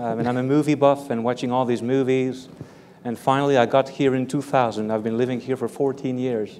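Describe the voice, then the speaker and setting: A man speaks with a French accent at medium pitch. His pace is fairly quick and his intonation monotone and flat. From Belgium. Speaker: professor. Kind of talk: interview at a public talk. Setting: auditorium with audience.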